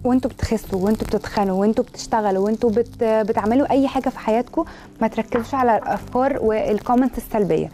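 A woman's voice: a little high, racing, dark tone, a little hiss or hum. A woman with an Egyptian Arabic accent, a food blogger giving chatty cooking and health advice in a kitchen, rattling along and stacking up intensifiers.

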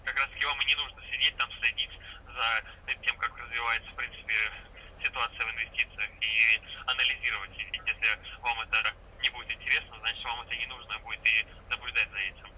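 A man giving a formal, patient phone sales pitch as an investment salesman, heard through a phone speaker in a vehicle. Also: level tone, quick pace, bright, forceful tone, a little hiss or hum, poor audio. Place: phone speaker inside a parked vehicle cab.

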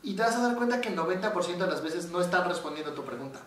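A rapid-fire, high-voiced man with a Mexican accent, a psychologist, explains in a casual way and acts out the voices in his stories with animation. His voice is far from the mic and bounces around a very echoey room.

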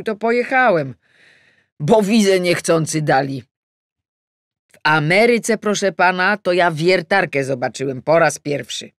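A man's voice: a little high, no echo, clean studio sound. A woman reading an audiobook, voicing a tipsy, boastful middle-aged man who rambles folksily about his past.

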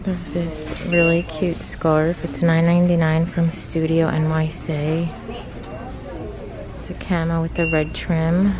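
A woman narrating a casual shopping vlog, calmly listing items and prices as she walks through a large store while filming on a phone. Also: takes it slowly, crowd noise. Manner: low-key, steady price-listing commentary. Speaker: shopping vlogger. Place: large retail store, indoors. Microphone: handheld phone camera. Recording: store noise in background. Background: store ambience noise.

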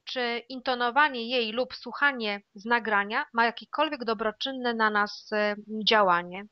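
A woman's voice: a little high, a little slow, no echo, highs cut off. A woman co-hosting a talk show as a clairvoyant, answering viewers' questions in a hesitant, thinking-aloud way. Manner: thinking aloud with hesitations, addresses listeners as dear ones. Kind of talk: casual studio chat.

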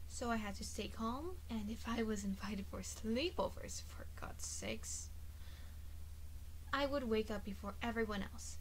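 A woman's voice: on the high side, fairly bright tone, a little hiss or hum, low-quality recording. A young adult woman with a British accent that leans a little Welsh, chatting casually through a rambling storytime as a voice actor and YouTuber. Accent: British, slightly Welsh-leaning. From United States. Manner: chatty, rambling, a bit profane.

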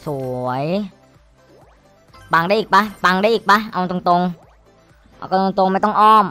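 A man giving excited, crude commentary while streaming a slot game, cursing and pleading at the screen. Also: high-pitched, slow pace, clear, resonant tone, faint music behind.

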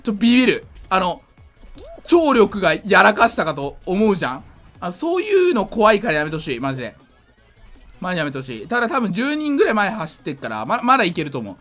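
Drunk, high-voiced man rambling over a game. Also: brisk, soft background music. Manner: drunk, rambling, slightly slurred; excitable, repeats himself. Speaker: gaming video creator. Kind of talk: casual gameplay commentary.

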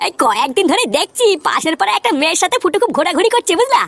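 A man's voice: extremely high pitch, sing-song, racing, gravelly, fairly bright tone, dry recording, heavily acted. A man voicing an eager, gossipy, deferential young club sidekick in a comedy cartoon.

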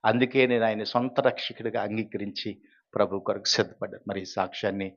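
A man's voice: lowish voice, flat delivery, a little fast, muffled recording. A man, a pastor, telling his personal testimony in an earnest storytelling way. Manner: earnest storytelling, rising when quoting others.

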